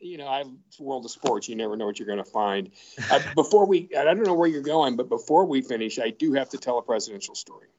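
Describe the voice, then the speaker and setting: A man who broadcasts sports, telling stories in a casual podcast chat with animated, quick bursts. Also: mid-range voice, dull audio.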